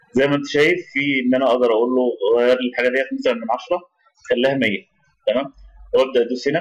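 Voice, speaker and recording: With an Egyptian accent, a man talks at a fairly quick pace in a fairly high pitch, with ordinary pitch variation. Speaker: programming tutor. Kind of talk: tutorial. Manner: casual.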